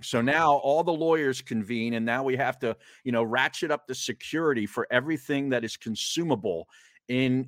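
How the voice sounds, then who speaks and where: A man's voice: medium pitch, dry recording, clean studio sound. A man co-hosting a podcast in casual chat, blunt and jokey, rambling through stories. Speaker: podcast co-host.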